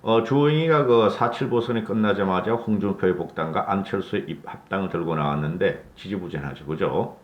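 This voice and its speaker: A man's voice: sits low, brisk, hardly any pauses, echoey room, dull audio. A man from North Gyeongsang, South Korea, giving a blunt, opinionated political commentary and asking for agreement with rhetorical tags. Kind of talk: casual political commentary monologue.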